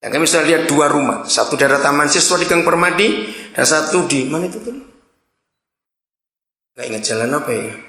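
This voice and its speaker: A male preacher telling stories from the pulpit and voicing each person in them. His pitch swings widely and his tone is bright and forceful. The sound rings around an echoey church hall. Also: a little fast, pauses often. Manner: storytelling, animated, acts out dialogue. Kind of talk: sermon.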